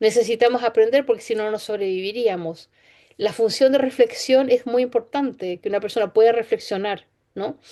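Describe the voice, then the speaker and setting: Against a quiet background, a woman speaks at a moderate pace with a fairly high pitch and a dark, mellow tone. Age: 60s. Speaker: trauma therapy trainer. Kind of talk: lecture. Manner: halting.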